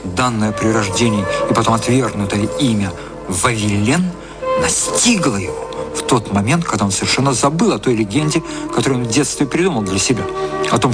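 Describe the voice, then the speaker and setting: A man narrating an audio drama in a scripted literary style, with a slightly husky voice. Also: fairly low pitch, expressive, a little fast. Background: music.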